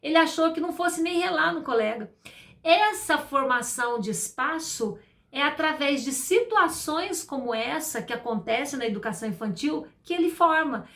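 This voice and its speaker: Emphatic high-voiced Brazilian woman educator. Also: animated, normal speed, fairly bright tone. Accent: Brazilian Portuguese. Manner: emphatic, repeats key points. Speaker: school educator. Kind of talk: advice talk to parents. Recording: echoey room.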